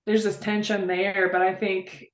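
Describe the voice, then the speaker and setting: A woman's voice: mid-range voice, flat delivery, unhurried. Heartfelt woman in a roomy space. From Appalachia, West Virginia. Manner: heartfelt, rambling, many fillers. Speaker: guest. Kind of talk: casual interview chat.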